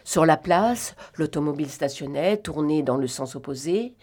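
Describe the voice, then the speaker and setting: A woman narrating a novel in an expressive, dramatic reading. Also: deep voice, normal speed. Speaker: audiobook narrator.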